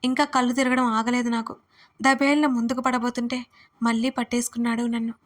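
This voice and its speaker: Woman narrating a story, fairly high voice. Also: level tone, brisk. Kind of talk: first-person audio story narration.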